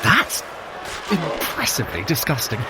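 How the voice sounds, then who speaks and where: A man's voice: mid-range voice, very animated, measured pace, heavy background noise. A man acting in an audio drama as a sly, flippant, scheming trickster god bickering with his brother, glib and self-satisfied but given to hedging. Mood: sheepish, sly.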